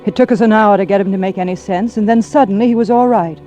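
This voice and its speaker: An actress playing a devoted young wife in a 1940s radio drama, with earnest, emotional delivery. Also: female voice, medium pitch, fast talker, over loud music, natural voice. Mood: rueful narration. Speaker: radio drama lead and narrator. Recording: dull lo-fi vintage radio broadcast.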